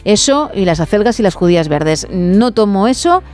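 A woman hosting a late-night call-in radio show, chatty and quick to laugh. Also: medium pitch, very animated, a little mellow, faint music behind. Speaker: radio host.

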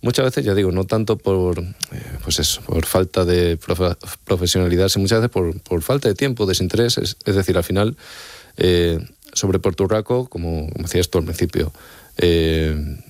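A man's voice: sits low, moderate pace, darkish tone, no room sound. A man from Extremadura, an author being interviewed, explaining his research earnestly and often checking in with his listener. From Extremadura, Spain. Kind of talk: radio-style interview answers.

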